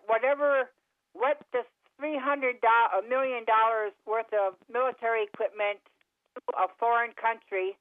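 A woman radio show caller comes through a narrow, tinny telephone line with no room sound at all. She talks in a rambling, opinionated way and gets heated on politics. Her pitch sits in an ordinary middle range. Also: no echo. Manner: chatty, then heated political ranting. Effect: caller heard over a phone line. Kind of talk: call-in talk radio. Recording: tinny dry phone line.

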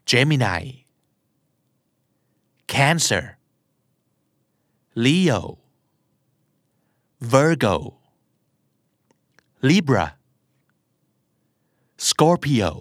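Thai-accented male teacher, slow and careful, spells each word aloud, dry close recording. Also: mid-range voice, no room sound. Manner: slow, spells words letter by letter. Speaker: English pronunciation teacher. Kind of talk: podcast pronunciation lesson.

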